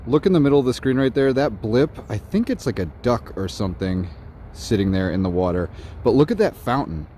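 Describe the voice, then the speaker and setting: A man reviewing gear in a casual night vlog, walking outdoors in a suburb and talking excitedly about what he sees. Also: sits low, a little hiss or hum. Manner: excited, narrating while walking. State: slightly out of breath.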